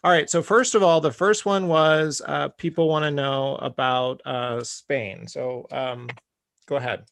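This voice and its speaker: Gravelly-voiced male craft show host. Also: mid-range voice, fairly even intonation, a little slow, a bit bright. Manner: upbeat, frequent "uh" fillers. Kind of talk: casual interview while crafting.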